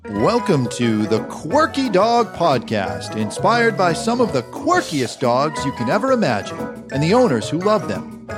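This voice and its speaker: An announcer reading a scripted show introduction in a measured, formal way. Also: mid-range voice, big pitch swings, music in the background.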